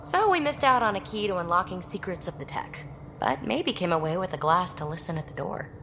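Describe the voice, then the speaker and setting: A woman's voice: fairly low pitch, lively intonation, a little fast, gravelly, fairly bright tone, a little hiss or hum. A woman playing a young, impulsive alien explorer in a video game, wry, casual and earnest. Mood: thoughtful. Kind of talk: video game cinematic acting.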